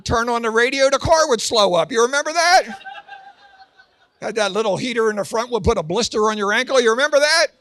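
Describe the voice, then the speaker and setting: A man in his sixties doing a Christian stand-up comedy routine, telling animated stories and acting out voices and shouts. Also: very high voice, a little fast, dry recording. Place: large event hall with an audience.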